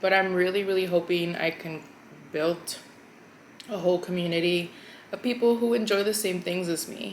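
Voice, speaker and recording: With an American accent and fairly even intonation, a woman speaks at a moderate pace with long, frequent pauses over noticeable background noise. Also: medium pitch for a woman. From Mexican American household, US. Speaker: lifestyle YouTuber. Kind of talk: casual vlog talk to camera.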